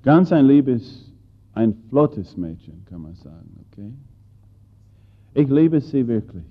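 A man preaching a sermon, swinging between loud bursts and hushed lines and putting questions to his listeners. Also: medium pitch, big pitch swings, slow. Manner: addresses listeners directly with questions. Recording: tinny phone-like audio.

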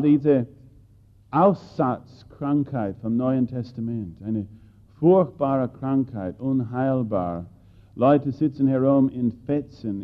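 Male preacher, sermon, slow deliberate pace, loud-to-hushed swings, asks listeners questions, tinny lo-fi audio. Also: medium pitch. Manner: addresses listeners directly with questions.

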